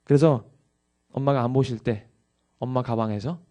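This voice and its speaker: A man's voice: medium pitch, normal speed, dark tone. A young male pastor giving a dawn service sermon, confessing his own past candidly before turning to earnest exhortation.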